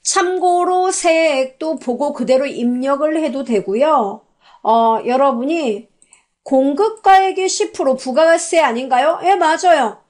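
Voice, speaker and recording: A woman with a high voice walks the class through a spreadsheet step by step. She talks in a chatty way, tossing out questions and answering them herself. It sounds like a voice-over on a screen recording. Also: measured pace, a little mellow. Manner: chatty, asks and answers her own questions. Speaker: computer instructor. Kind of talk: spoken software tutorial.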